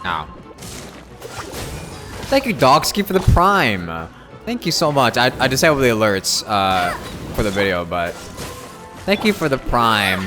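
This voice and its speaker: A man's voice: medium pitch, very animated, unhurried, pauses often. A man doing casual live gaming commentary and chatting with viewers in a blunt, sweary, slangy way. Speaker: game streamer. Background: game music.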